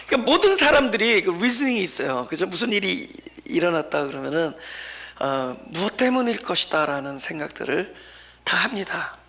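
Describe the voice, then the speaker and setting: High, gravelly man preaching with fervor. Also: sing-song, moderate pace. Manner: rising to emphatic shouted refrains, then dropping low; acts out the questions and replies he quotes. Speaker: pastor. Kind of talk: sermon. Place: church sanctuary.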